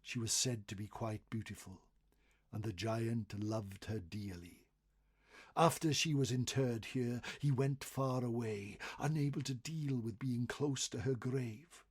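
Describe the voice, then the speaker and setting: A man narrating folklore as a storyteller, expressive and dramatic, swelling on phrases and dropping to hushed endings. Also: mid-range voice, measured pace, husky. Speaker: storyteller reading a folklore article.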